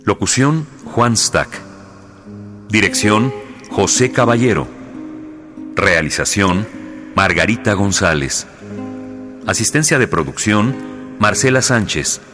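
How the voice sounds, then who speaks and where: A man announces radio drama credits in a low voice. His scripted reading is slow and deliberate, with music clearly playing underneath. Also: animated.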